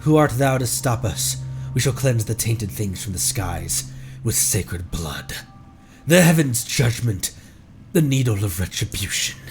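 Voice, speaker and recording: A man's voice: medium pitch, animated, a little slow, music in the background, pitched below the performer's own voice. A man voicing a grandiose, doom-laden fantasy game character in a pompous, theatrical manner. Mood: solemn, vengeful.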